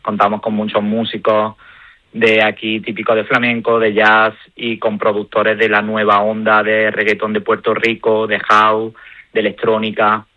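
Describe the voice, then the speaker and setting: A man, a band member calmly explaining his views in a radio interview. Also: lowish voice, moderate pace, no room sound. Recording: dull lo-fi radio sound.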